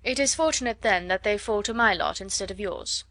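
A proud, reserved gentleman speaks in curt, measured sentences, coolly dissecting every point. A woman reader voices him close and dry, storybook style. He never warms. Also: mid-range voice, no room sound, lightly acted.

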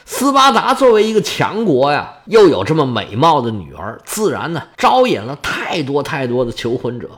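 A man telling a story in a casual, chatty narration, animated and full of drawn-out particles. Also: fairly high pitch.

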